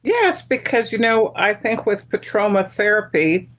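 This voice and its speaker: A woman hosts a podcast, talking in a casual, conversational way. Her voice sits at an average pitch for a woman, and she speaks as if chatting with a co-host and listeners. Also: very animated, a little slow, lo-fi sound.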